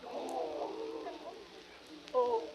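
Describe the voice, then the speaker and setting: An actor playing a sorrowful Roman citizen, lamenting in a theatrical Shakespearean audio drama on a noisy recording. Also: male voice, drawn-out words, mellow, muffled recording. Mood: woeful. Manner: wailing, lamenting.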